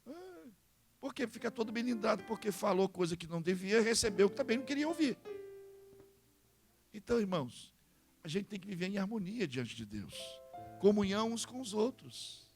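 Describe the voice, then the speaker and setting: A man's voice: high-pitched, a little fast. A man with a Brazilian Portuguese accent preaching a sermon at a church service. He acts out little dialogues among church members and often tags his sentences with a questioning "hã?". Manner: animated preaching, acting out congregation dialogue. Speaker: pastor. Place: church service with live music. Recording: church sermon over guitar music.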